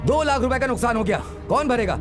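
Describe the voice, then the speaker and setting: An actor dubbing an angry village man who scolds rapidly. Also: very high-pitched, lively intonation, over loud music. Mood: scolding. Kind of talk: Hindi film dubbing.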